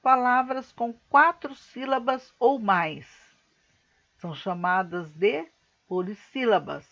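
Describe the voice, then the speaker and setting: A woman teacher giving a recorded lesson, patiently explaining step by step and slowing words down to split them into syllables. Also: on the high side, expressive, a bit bright, dull audio. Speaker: schoolteacher.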